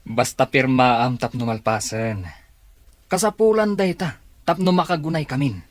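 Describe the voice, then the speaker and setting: A man's voice: mid-range voice, moderate pace, no room sound, natural voice. A man playing a pushy, scheming relative in a radio drama, insistent and emphatic in his delivery. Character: pushy scheming male cousin pressing for a signature.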